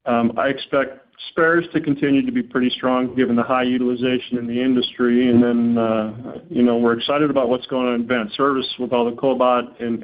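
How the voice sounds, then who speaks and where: Exec guy on an earnings call, informal, repeats himself a bit, sounds like a phone line. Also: medium pitch. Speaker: company executive answering analysts. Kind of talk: earnings call question and answer. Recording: narrow phone-like conference line.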